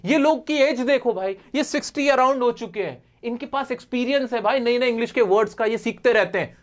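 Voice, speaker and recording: A man teaching spoken English online in a lively, coaxing way, repeating points and asking rhetorical questions. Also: very high voice, fairly quick. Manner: lively, coaxing, affectionate toward students.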